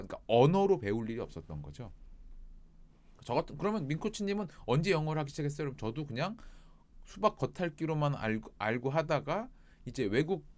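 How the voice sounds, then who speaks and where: A man's voice: on the high side, darkish tone. A middle-aged man, a coach, talking casually to viewers, chatty and shifting between jokes and earnest advice. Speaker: life coach. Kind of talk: casual reflective talk to viewers.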